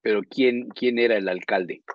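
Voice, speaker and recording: A Mexican journalist co-hosting a talk show, telling long anecdotes and often pausing to search for words. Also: male voice, fairly low pitch, steady tone, dry recording, highs cut off. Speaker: journalist co-host. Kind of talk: casual talk show chat.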